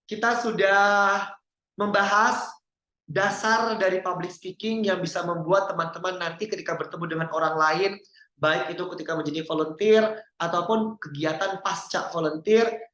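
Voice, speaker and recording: A man gives an interactive public speaking lesson in an energetic, coaching manner. He keeps drawing in a participant with questions. His voice sounds roomy, with an echo around it. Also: high voice, moderate pace. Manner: lively, coaching, asks the audience questions.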